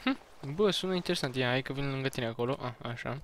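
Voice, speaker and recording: A young man, chatting excitedly while playing a game on a headset mic, with joking loud exclamations. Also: mid-range voice, a crowd in the background. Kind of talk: casual gameplay chat.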